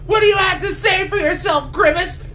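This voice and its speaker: A man voicing a furious mother who shouts and berates her son in a high, strained voice. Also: moderate pace, distant mic, heavy background noise. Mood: furious scolding. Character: shrill furious scolding mother.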